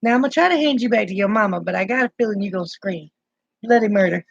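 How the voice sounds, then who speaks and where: A woman's voice: mid-range voice, very fast, vocal fry, highs cut off. A woman in her forties with a Southern US accent chats casually to viewers on a live stream, greeting them by name while soothing a grandbaby. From Southern United States. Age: 40s. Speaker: keto vlogger hosting a live stream.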